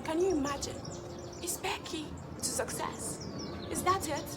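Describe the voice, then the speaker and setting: Her voice is very high and unhurried as she acts out a comedy skit, portraying a proud young Hausa woman who speaks Nigerian Hausa-accented English. The character gives a formal, speech-like address, then shifts into loud laughing banter. Background noise is present.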